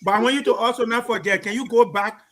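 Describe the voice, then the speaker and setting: A man's voice: extremely high pitch, fast talker, crowd noise. A man from Liberia with a Liberian English accent, a radio show host who presses his guest for explanations again and again. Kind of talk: live radio call-out show.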